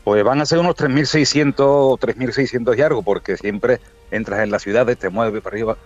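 A man's voice: mid-range voice, brisk, no room sound, faint music behind. A man in his sixties from Spain, calling in from a roadside to a radio interview. His phone line keeps breaking up, and he answers matter-of-factly, repeating words when he is not heard. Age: 60s. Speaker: guest calling in from the road. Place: outdoors by a road. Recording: dull dry phone line.

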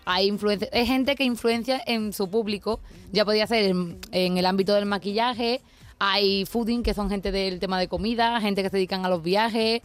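A woman's voice: medium pitch, steady tone, moderate pace, soft background music. A woman with an Andalusian accent, a makeup influencer, chatting spontaneously as a guest on a radio interview. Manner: spontaneous, chatty, laughs easily.

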